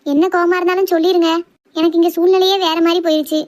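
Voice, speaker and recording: A woman's voice: very high-pitched, little pitch movement, fast talker, a little mellow. A woman playing a sweet, easily wounded young girl in love in a cartoon drama, with a southern Tamil Nadu accent. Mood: puzzled, pleading.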